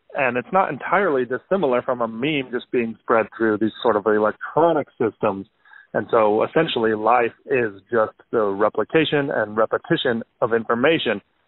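At a moderate pace and medium pitch, a man speaks in a plain, everyday voice with ordinary pitch variation and hardly any pauses. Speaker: biologist listener leaving a voicemail. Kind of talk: voicemail message. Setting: voicemail recording.

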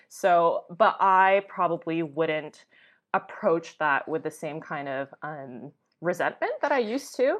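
Speaking at a fairly slow pace, a woman with a plain, everyday voice has a fairly low pitch and lively intonation. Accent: American. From US Northeast, Boston. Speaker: travel blogger. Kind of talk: casual interview.

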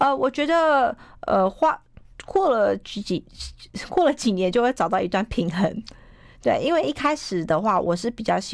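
A woman's voice with vocal fry and very wide pitch swings, at a fairly slow pace, on a very clean recording with a silent background. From New Zealand (Auckland), born in Taiwan. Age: young. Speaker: travel author. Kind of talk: interview.

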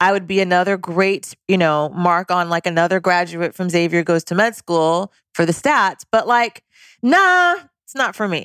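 A woman's unremarkable speaking voice at medium pitch, with an American accent, ordinary pitch variation, and a dry, close sound with no echo on a very clean recording with a silent background. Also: moderate pace. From Southern California. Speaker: Chinese medicine doctor. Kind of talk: casual chat. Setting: studio.

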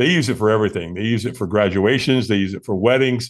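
A man with an American accent speaks at medium pitch with lively intonation. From California. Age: 60s. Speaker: firewalk instructor and company founder. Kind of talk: interview conversation. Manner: animated storyteller.

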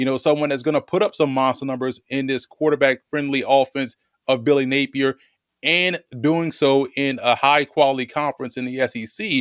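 A man with an American accent, fairly high pitch, fairly even intonation and a fairly quick pace, in a dry, close sound with no echo. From US South, New Orleans. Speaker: football analyst. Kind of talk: casual chat.

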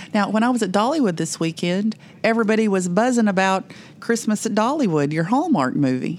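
A woman with an American accent talks at a fairly quick pace. Her pitch swings very widely while her loudness stays very even. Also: medium pitch for a woman. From US South, East Tennessee (Sevier County). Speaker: podcast host, music journalist. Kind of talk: interview; scripted narration.

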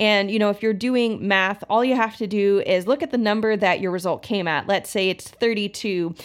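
On a very clean recording with a silent background, a woman with an American accent and a plain, everyday voice speaks at a moderate pace, her pitch fairly high with ordinary variation. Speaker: functional medicine health coach and podcast host. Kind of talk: scripted intro then casual educational talk.

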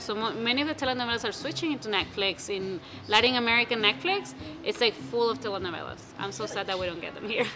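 A woman with a Spanish accent talks at a very fast pace in a fairly high pitch, with noticeable background noise. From Ecuador. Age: 20s. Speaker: actor and playwright. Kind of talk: interview.

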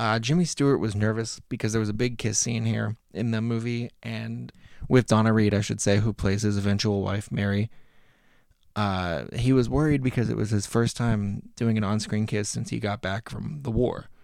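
On a very clean recording with a silent background, a man has an unremarkable speaking voice. He talks at a moderate pace with ordinary pitch variation. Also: fairly low pitch for a man. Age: 30s. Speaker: podcast host. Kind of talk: casual solo movie review. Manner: casual, filler-heavy.

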